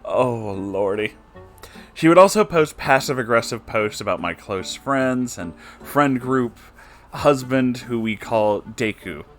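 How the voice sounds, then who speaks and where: A man narrating a story as a host, in an expressive, jokey and casually sweary way with offhand asides. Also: mid-range voice, slow, soft background music. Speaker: host reading submitted stories aloud.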